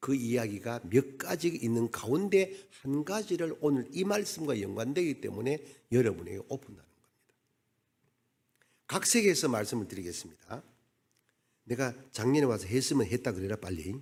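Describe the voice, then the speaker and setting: Speaking at a moderate pace in an animated tone, a man with a medium, somewhat breathy voice swings his pitch very widely. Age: 70s. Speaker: retired pastor, revival preacher. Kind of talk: sermon.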